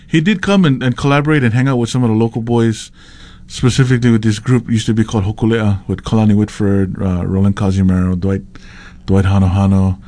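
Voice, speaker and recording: A man, a slack key guitarist telling stories in a relaxed interview, often restarting his sentences. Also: lowish voice, a little fast. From Hawaii. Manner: rambling, with many restarts and laughs. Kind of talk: casual storytelling interview.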